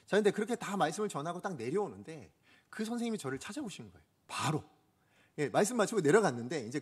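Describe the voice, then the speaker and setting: Fast-talking husky male pastor. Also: a little high. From Korea. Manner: animated, asks the congregation questions; acts out quoted speech. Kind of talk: storytelling sermon.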